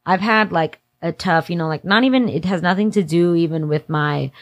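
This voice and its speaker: A woman in her late twenties who works in music industry event production talks candidly as an interview guest. Her slightly low voice moves briskly, and her loose, slangy phrasing is peppered with "like," as in a casual chat between friends.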